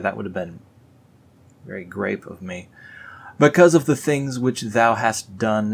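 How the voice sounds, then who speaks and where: Man, low-pitched, casual read-along, sarcastic asides, dry wit. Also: slightly rough. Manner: sarcastic, dry asides after solemn read-aloud passages. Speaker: video host reading scripture aloud.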